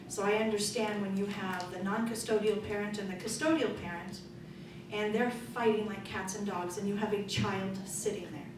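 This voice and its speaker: Forthright woman in an echoey hall. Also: medium pitch. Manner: loud, forthright, conversational. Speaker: political candidate. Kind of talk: candidate forum answers. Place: meeting room. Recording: echoey room from far off, noisy.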